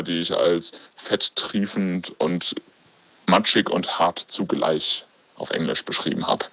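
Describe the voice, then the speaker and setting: A man's voice: deep voice, no room sound, dull audio. A man telling a story in a dry, matter-of-fact way, with lots of fillers. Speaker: caller sharing a date story. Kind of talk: recorded anecdote, casual telling.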